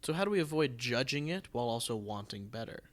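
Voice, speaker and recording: A man hosting a casual interview, speaking haltingly and often rephrasing his questions. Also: mid-range voice, animated. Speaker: podcast host, theatre producer.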